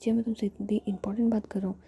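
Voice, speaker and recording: A woman's voice: medium pitch, flat delivery, rapid-fire, warm tone, husky. Woman whispering as a fussy scolding father. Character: strict, fussy father, middle-aged man.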